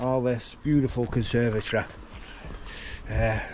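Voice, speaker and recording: Noticeable background noise surrounds the man as he talks. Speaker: exterior cleaner. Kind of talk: casual talk to camera. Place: garden. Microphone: phone near.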